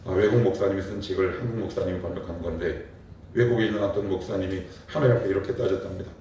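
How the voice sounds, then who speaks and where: A man's voice: low-pitched, steady tone, quick pace, mellow. A man, a pastor, preaching a morning prayer sermon, emphatic and full of rhetorical questions to his congregation. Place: church sanctuary. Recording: very echoey hall, mic far off, faint noise.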